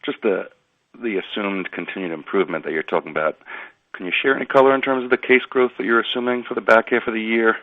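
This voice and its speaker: Analyst guy on the phone, low gravelly voice, talks fast, kinda wordy hedging questions. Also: no echo. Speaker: financial analyst. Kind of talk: earnings call question. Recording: tinny phone line, dry.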